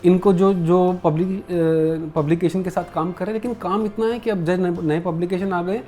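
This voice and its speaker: A man's voice: high-pitched, fairly even intonation, moderate pace, dark tone. A man being interviewed as a comics publisher and letterer, speaking candidly and reflectively and mixing English phrases into his speech. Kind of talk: casual interview conversation.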